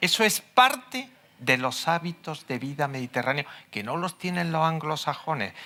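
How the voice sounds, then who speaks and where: At a moderate pace, a man speaks in a fairly high voice with a bright, sharp tone and very wide pitch swings. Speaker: doctor giving a lecture on ageing. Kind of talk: Q&A after a public lecture. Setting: lecture hall with audience.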